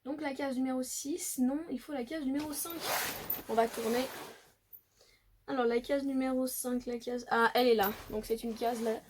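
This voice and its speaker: A woman's voice: high voice, steady tone, moderate pace, darkish tone, slight background noise. A woman vlogger chatting casually through an unboxing, thinking aloud with lots of fillers. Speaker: beauty vlogger.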